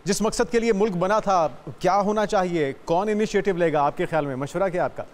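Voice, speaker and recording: Male TV co-host, Pakistani accent, high register, polite interviewer who blends in English words. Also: fairly quick, a little hiss or hum. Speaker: TV morning show co-host. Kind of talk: broadcast interview.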